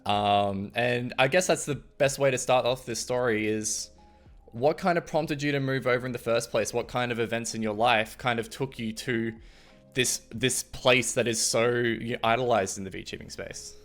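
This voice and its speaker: A man's voice: mid-range voice, moderate pace, soft background music. A man hosting an interview show, reading a scripted intro and then asking loose, friendly questions. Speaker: show host.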